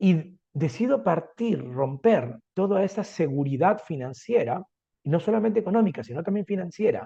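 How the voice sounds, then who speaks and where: Speaking at a moderate pace in a Peruvian accent, a man uses a high-pitched voice with a dark, mellow tone and very wide pitch swings. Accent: Peruvian accent, consciously kept. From Peru, Lima. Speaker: academic, migrant writer. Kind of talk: interview.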